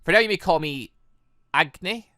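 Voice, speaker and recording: A gamer voicing a calm, solemn god who leads an evil crew, in measured, formal speech for a visual novel. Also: medium pitch, no room sound, clean studio sound.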